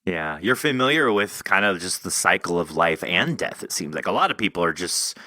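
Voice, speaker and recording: A man with a bright, low voice hosts a podcast interview in casual, rambling fashion. He muses informally as he puts questions to his guest. The sound is close and dry. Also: sing-song, fairly quick, no echo. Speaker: podcast host interviewing an author.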